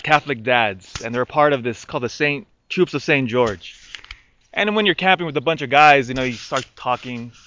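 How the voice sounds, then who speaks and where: A man's voice: mid-range voice, bright, forceful tone, lo-fi sound, slight background noise. A man speaking as a Catholic priest, giving liturgical readings and a homily in an intoned or conversational, rhetorical manner.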